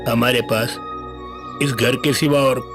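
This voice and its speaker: An actor dubbing a poor old grandfather who talks softly and wearily, pleading over his home. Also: medium pitch, steady tone, takes it slowly, lightly acted. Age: older. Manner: soft, weary and pleading. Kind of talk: Hindi film dub. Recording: film soundtrack with clear music.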